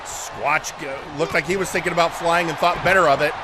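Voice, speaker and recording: A man doing live play-by-play as a wrestling commentator, with exclamatory, drawn-out calls. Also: fairly high pitch, steady tone. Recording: loud crowd and music behind. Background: crowd noise, music, ring thuds.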